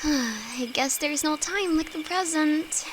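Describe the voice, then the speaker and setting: Casting: woman to play nervous young female alchemist, fantasy roleplay. Higher-leaning voice, hesitant, affectionate, easily spooked; loud cricket-filled night ambience behind. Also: takes it slowly, background noise. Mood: anxious, reluctant. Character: timid, easily frightened young female apprentice alchemist, affectionate best friend. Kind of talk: fantasy roleplay audio drama, intimate one-sided dialogue. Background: crickets and forest ambience.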